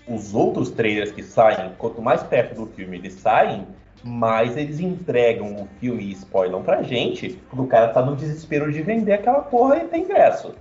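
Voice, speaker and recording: A man's voice: medium pitch, sing-song, normal speed, few pauses, darkish tone, echoey room, muffled recording, faint music behind. A man co-hosting a casual podcast chat, blunt and opinionated, swearing freely. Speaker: podcast co-host.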